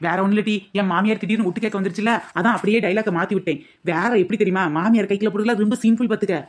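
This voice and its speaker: A woman doing a rapid-fire crafty young daughter-in-law. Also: medium pitch, close to an everyday voice. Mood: sly. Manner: rapid, scheming, mock-tearful when flattering. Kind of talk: cartoon comedy voice acting.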